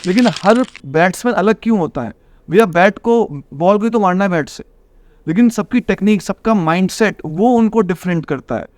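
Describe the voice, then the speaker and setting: A man's voice: high voice, no echo. A man from Bihar, a trader and coaching teacher, earnestly giving advice as a guest in an interview. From Bihar, India. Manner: earnest, advice-giving, calls the host brother. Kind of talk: casual interview talk.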